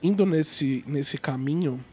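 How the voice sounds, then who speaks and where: A man's voice: on the high side, slow, warm tone, breathy edge. Nasal, stuffed-up man hosting. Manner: hesitant, many fillers and restarts. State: has a cold, voice a bit nasal. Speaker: host of a live show.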